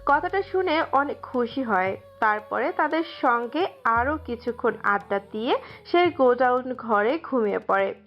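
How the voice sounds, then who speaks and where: Woman telling a story audio drama, highish voice, dull lo-fi sound, faint music. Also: unhurried. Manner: steady storytelling, occasional slips. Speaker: narrator.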